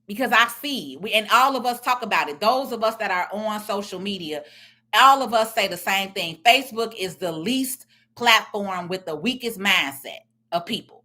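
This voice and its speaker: A middle-aged woman with a loud voice and a confident, blunt way of talking, giving social media commentary as a tax and business strategist. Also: medium pitch, lively intonation, normal speed. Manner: confident, emphatic, plain-spoken.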